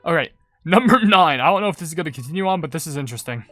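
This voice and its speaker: A man gives casual commentary on a game. His voice is on the high side and recorded dry, with music behind it. He rambles, stammers over his words and drops in playful asides. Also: expressive, rapid-fire, fairly bright tone, no echo. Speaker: gaming video host.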